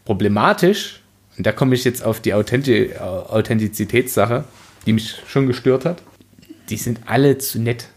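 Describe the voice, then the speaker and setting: A man's voice: mid-range voice, normal speed, darkish tone. A man co-hosting a casual book podcast, arguing his points in blunt, slangy language. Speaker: podcast co-host.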